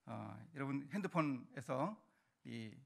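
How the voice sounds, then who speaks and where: In a church sanctuary, a middle-aged male pastor preaches to his congregation with animated, emphatic delivery, now and then shouting to drive a point home. His voice is medium in pitch, slow, and marked by vocal fry.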